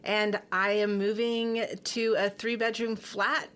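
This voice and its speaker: A woman's voice: mid-range voice, flat delivery, takes it slowly, fairly bright tone. A middle-aged woman from Texas, a podcast guest talking casually and openly, with lots of fillers. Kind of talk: casual interview chat.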